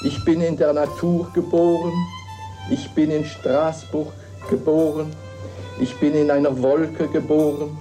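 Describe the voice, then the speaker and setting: A man's voice: fairly high pitch, little pitch movement, unhurried, music in the background, lightly acted, rough recording. A man voicing an old artist musing dreamily. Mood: dreamy. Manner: dreamy, playful declamation. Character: Hans Arp, older male artist musing on nature. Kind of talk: dramatic reading of poetic texts.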